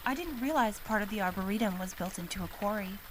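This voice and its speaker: A woman playing a cautious, bookish character in an audio drama, speaking in a measured, dry, precise way. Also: mid-range voice, a little hiss or hum, lightly acted, poor audio. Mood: matter-of-fact. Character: cautious, bookish, matter-of-fact young woman.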